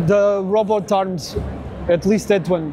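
Over noticeable background noise, a man with a Portuguese accent speaks fairly slowly in a high pitch, his intonation fairly even. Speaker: drone company representative. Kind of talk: trade show interview. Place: hall. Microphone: phone near.

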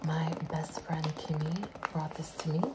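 Soft-spoken woman against loud background noise. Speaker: vlogger. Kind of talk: casual vlog chat. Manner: soft-spoken, hushed ASMR voice. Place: home room. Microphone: phone near.

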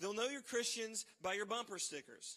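A raised, projected voice comes at a moderate pace over a quiet background. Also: man. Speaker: pastor. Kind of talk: sermon. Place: church. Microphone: handheld.

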